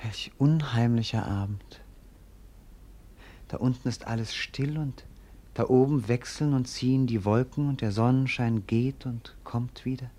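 An actor playing a bored, melancholy young prince in a radio play, declaiming lyrically. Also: male voice, medium pitch, measured pace, dark tone, close to an everyday voice. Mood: brooding, awed. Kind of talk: theatrical German radio play acting.

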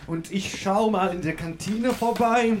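A man's voice: high-pitched, measured pace, slight background noise. A man playing a harried, flustered radio host in a comic radio play, stammering and pleading his way through a live show. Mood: flustered, searching.

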